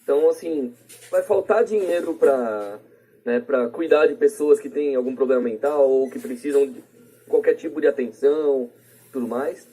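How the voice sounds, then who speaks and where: In a dark, slightly rough voice of medium pitch and moderate pace, a Brazilian man offers his opinions as a guest on a podcast. His delivery is loose and colloquial, rambling along with lots of tag questions. The recording is a plain podcast voice track.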